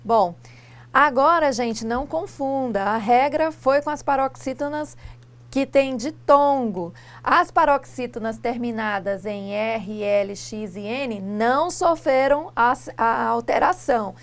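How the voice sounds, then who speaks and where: A woman teacher from Brazil explaining grammar rules in a lesson, asking rhetorical questions and pronouncing example words slowly. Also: fairly high pitch. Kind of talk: classroom lesson dialogue.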